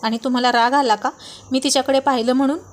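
Storybook role: a smitten, bashful young brother-in-law, pleading and eager, read by a woman in a fairly high voice. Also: fairly even intonation, fast, natural voice. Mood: teasing bashful.

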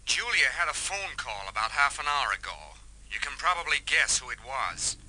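A man's voice: fairly high pitch, sing-song, normal speed, pushed and bright, slight background noise, full character voice, rough recording. An actor playing a detective's businesslike male associate in a radio drama, matter-of-fact in delivery.

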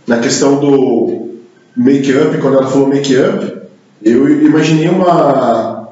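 A Brazilian man speaks as a language student, hesitant and often searching for his words. His voice is mellow and dark-toned. The room is very echoey and the sound is dull. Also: mid-range voice, unhurried. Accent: Brazilian Portuguese. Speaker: English student. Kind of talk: reflective classroom talk.

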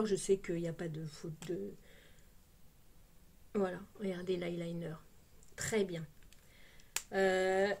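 Parisian French woman, casual beauty vlogger, chatty and exclamatory, faint background noise. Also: medium pitch. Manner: chatty, exclamatory, lots of "hein" fillers. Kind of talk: casual unboxing chat.

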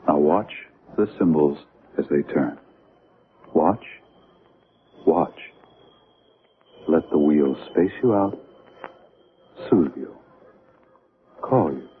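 Calm american hypnotist doctor, low voice, old tinny radio play. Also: male voice, drawn-out words, pauses often, slight background noise, heavily acted. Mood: soothing, hypnotic. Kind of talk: 1970s radio drama acting.

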